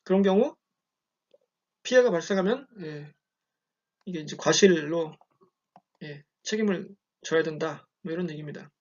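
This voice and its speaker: A man lecturing in a relaxed, conversational way, often checking in with "예" and telling examples. The recording is dull and lo-fi. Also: a little high, normal speed, pauses often. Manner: conversational, frequent "예" check-ins, storytelling examples. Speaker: university lecturer.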